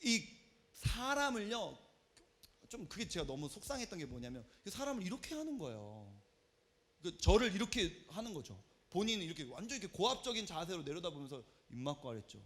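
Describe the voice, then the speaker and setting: Youth pastor, male, 30s: high, very expressive voice, storytelling sermon to a hall of teens. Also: brisk. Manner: animated storytelling, acts out quoted voices. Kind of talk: lively youth retreat sermon. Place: church hall at a youth retreat.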